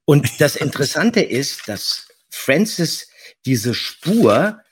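A man's voice: a little high, very animated, slow pace, slight background noise. A man on a podcast panel, explaining things in a casual conversational way.

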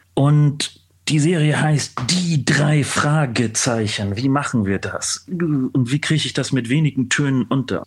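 A man's voice: mid-range voice, husky. A man talking casually as a composer being interviewed, explaining things demonstratively and acting out his thoughts. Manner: animated explaining, acts out thoughts, hums motifs. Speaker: composer, podcast guest.

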